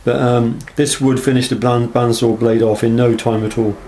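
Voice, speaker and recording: Male craftsman, understated and halting, casually presenting handmade work on a camera mic with noticeable background noise. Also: mid-range voice, little pitch movement, dark tone. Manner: hesitant, unscripted, understated. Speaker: knife maker presenting work. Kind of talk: casual workshop show-and-tell. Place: small block-walled workshop.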